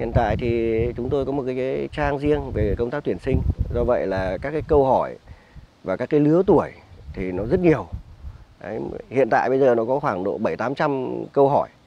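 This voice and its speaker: Pausing long and often, a man with a dark, mellow tone speaks at a moderate pace in a dry sound with no echo. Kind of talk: interview answer. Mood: calm, explanatory. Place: garden. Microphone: lapel.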